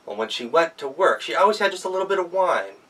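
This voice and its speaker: A man telling a folktale as a storyteller, expressive and with dramatic emphasis. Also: a little high, quick pace, breathy edge, distant mic, low-quality recording. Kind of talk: live oral folktale narration.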